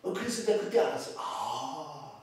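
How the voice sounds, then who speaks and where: Male pastor, high voice, lively swoops, booming echo, heard from across the hall. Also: brisk. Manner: animated, calls out loudly and has the congregation repeat. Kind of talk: sermon. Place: church sanctuary. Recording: echoey church hall from far off.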